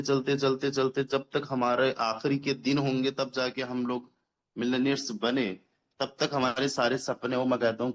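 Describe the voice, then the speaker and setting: A man in his thirties giving a motivational business pitch as a team leader, persuasive, repeating phrases for emphasis and mixing English words into his speech. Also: fairly bright tone. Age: 30s. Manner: mixes English words into Hindi. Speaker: network marketing team leader.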